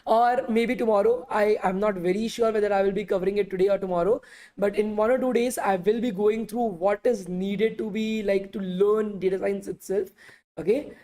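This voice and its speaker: A woman leads a live online coding class in a mellow, warm voice. She talks loosely and conversationally, stopping often on filler sounds and coming back again and again to invite questions. Her pitch sits in a middle range for a woman. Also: fairly even intonation. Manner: conversational, many filler pauses, repeats invitations to ask. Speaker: coding bootcamp instructor.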